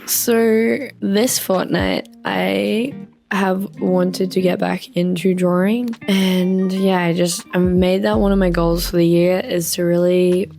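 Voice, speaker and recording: A young woman with a sore throat and a husky voice, chatting casually to camera in a rambling vlog. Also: fairly low pitch, fairly even intonation, slow, soft background music. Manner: chatty, rambling, with soft laughs and ums. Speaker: vlogger.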